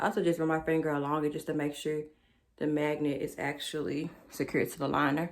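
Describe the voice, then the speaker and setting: A woman speaks with an American accent and a very deep, low pitch. Light background noise sits under her voice. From Arkansas, USA. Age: 20s. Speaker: beauty tutorial creator. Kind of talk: casual beauty tutorial to camera. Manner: casual, chatty. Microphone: phone near.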